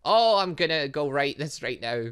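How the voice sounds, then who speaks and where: A man voicing an excitable, flirty female romance novelist from a visual novel game, gushing and theatrical. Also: fairly high pitch, moderate pace, clear, resonant tone. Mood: inspired. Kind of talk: visual novel game dialogue read aloud.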